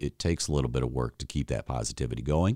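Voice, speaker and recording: A man speaks in a Midwestern US accent. His very deep, low voice sounds dry and close, with no echo. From US Midwest. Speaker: radio host. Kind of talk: radio interview. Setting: studio.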